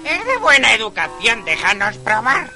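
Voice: medium pitch, big pitch swings, moderate pace, exaggerated voice. An actor voicing a hungry, demanding character in an overacted cartoon dub. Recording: old TV cartoon soundtrack with loud music.

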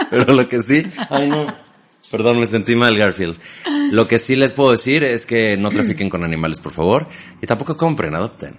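A man's voice: medium pitch, lively intonation, moderate pace. A young Mexican man co-hosting a comedy podcast, teasing and laughing often in casual chat. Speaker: podcast co-host.

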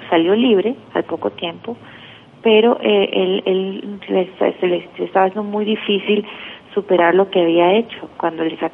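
A woman's voice: on the low side, gravelly. A woman from Ecuador giving conversational interview answers, talkative and repeating words as she searches for phrasing. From Guayaquil, Ecuador. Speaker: interview guest, journalist. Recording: tinny phone-like line, faint noise.

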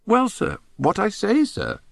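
A man's voice: high voice, huge pitch swings, unhurried, gravelly, no echo, clean studio sound, pitched above the performer's own voice, exaggerated voice. A man voicing a nervous, evasive, polite schoolboy with an English accent, hesitant and deferential, in an audiobook. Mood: nervous evasion.

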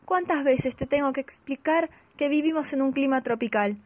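A woman's voice: sits high, normal speed, darkish tone, slight background noise, lightly acted. A woman playing a practical, exasperated mother in a radio play, scolding and insistent, with an Argentine accent.

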